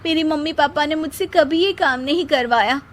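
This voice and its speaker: A woman's voice: sits high, moderate pace, pitched above the performer's own voice, close to an everyday voice. A woman voicing a spoiled, scheming young wife in a storybook tale, whiny and wheedling. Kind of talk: storybook character voice.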